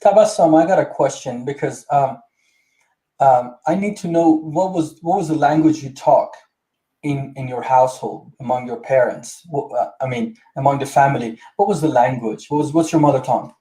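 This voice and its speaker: Man, interviewer, very dark mellow tone, hesitant questions, frequent listening murmurs. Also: mid-range voice, normal speed, poor audio. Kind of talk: conversational interview.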